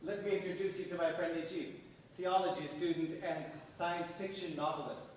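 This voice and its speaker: A man's voice: fairly high pitch, fairly even intonation, normal speed, darkish tone, lightly acted. An actor playing a mild, inquisitive secular city man in a staged reading, questioning and conciliatory. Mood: curious. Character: secular bourgeois male visitor from Istanbul, inquisitive, mild. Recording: distant, very echoey stage recording, faint noise.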